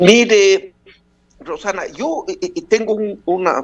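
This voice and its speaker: The man's pitch swings very widely as he talks at a very slow pace. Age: 70s. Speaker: government minister. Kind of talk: radio interview. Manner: hesitant, repeats words.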